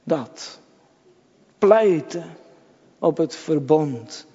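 Slow, emphatic preaching man in church. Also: fairly high pitch, animated, dark tone, husky. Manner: emphatic, repetitive preaching addressed to the congregation. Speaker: pastor. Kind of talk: sermon. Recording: dull lo-fi church recording with long reverb.

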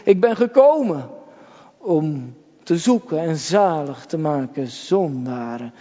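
Slow, emphatic preaching man in church. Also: fairly high pitch, mellow. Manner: emphatic, repetitive preaching addressed to the congregation. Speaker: pastor. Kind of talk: sermon. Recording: dull lo-fi church recording with long reverb.

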